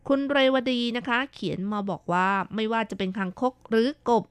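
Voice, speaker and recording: A woman co-hosts a radio chat show with a smooth, clear voice, reading listener comments aloud. She talks in a chatty, playful way with polite sentence endings. The studio sound is dry and close. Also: on the high side, animated, fairly quick, no room sound. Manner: chatty, playful, ends phrases with polite particles. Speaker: radio co-host.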